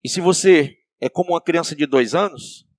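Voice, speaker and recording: Man, Brazilian pastor, sermon, rhetorical questions, soft to loud swings, dry sound. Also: a little high, normal speed, no room sound. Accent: Brazilian Portuguese.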